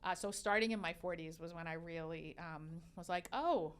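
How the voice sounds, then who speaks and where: A woman's voice: fairly low pitch, normal speed, clear, resonant tone. A woman in her fifties, a religious educator and consultant, telling candid stories in a casual interview, with many restarts; her first language is Arabic. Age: 50s. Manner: candid, animated storyteller with frequent restarts.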